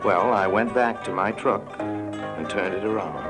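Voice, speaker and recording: A man's voice: on the low side, measured pace, over loud music, natural voice. An actor playing a cynical male con-man smuggler who narrates his own story with wry, confiding remarks, in 1950s radio drama style. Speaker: narrator and lead character. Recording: old radio broadcast with faint hiss.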